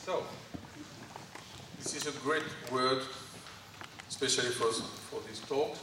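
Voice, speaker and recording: A man with a Greek French accent giving a lecture to an audience in a college hall, speaking in short halting phrases and asking the audience questions. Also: medium pitch. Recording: echoey hall from far off, faint noise.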